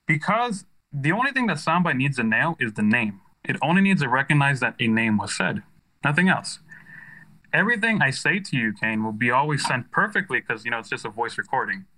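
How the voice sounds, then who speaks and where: An American man with a bright, forward voice at a medium pitch. He talks like a startup founder being interviewed, explaining things casually and with emphatic enthusiasm, dropping in "you know" often. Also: poor audio. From United States.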